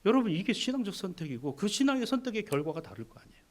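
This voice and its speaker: A male pastor delivers a sermon in a slightly raised voice. He moves between quiet, intimate asides and forceful exhortation, acting out prayers and complaints as he goes. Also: high-pitched, very animated, racing. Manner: acts out quoted prayers and complaints in a shifting, hushed-to-loud voice. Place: church sanctuary.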